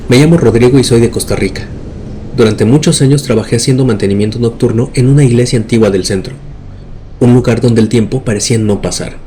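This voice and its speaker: A man's voice: medium pitch, quick pace, dark tone, a little hiss or hum. A man narrating scripted horror stories in a dramatic, suspenseful way. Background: music bed.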